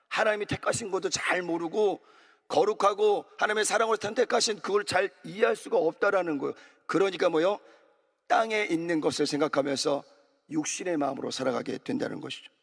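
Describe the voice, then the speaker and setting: A high, fairly bright, creaky male voice moves fairly quickly through an early morning sermon. The pastor exhorts his flock and calls for amens and repetition, his words echoing with long reverb in a large church sanctuary.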